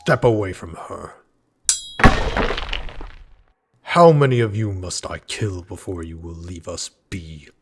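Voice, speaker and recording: A man's voice: deep voice, over music. A man voicing a grim, weary earthen knight guarding a goddess, speaking formally and archaically in a dramatic audio roleplay. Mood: angry, threatening. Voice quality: gravelly, husky. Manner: archaic, formal, menacing, slow.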